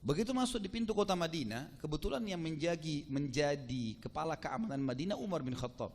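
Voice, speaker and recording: A man delivers a sermon as a story, talking to his listeners like friends. His voice sits a little high. He acts out the quoted speech with animated swings in pitch and drops in casual asides. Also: a little fast. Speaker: preacher.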